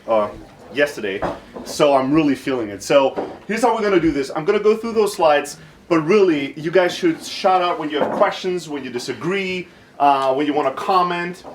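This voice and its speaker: A man's voice: on the high side, slight background noise. A man in his thirties from Greece, raised in southern Germany, giving an informal workshop talk in a blunt, irreverent, self-deprecating manner while jet-lagged. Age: 30s. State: jet-lagged, short of sleep.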